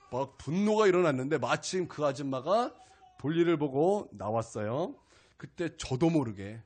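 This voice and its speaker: A male pastor preaching a weekday sermon, telling a personal story in an animated way. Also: medium pitch, breathy edge. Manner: animated storytelling, acts out his own angry outburst. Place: small church service.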